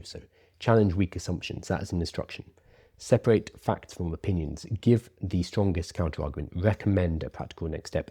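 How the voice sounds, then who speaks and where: Deep-voiced man with soft, W-like R's. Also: breathy edge. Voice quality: soft R's pronounced like W's. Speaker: presenter teaching prompt writing. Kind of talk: conversational presentation to an audience.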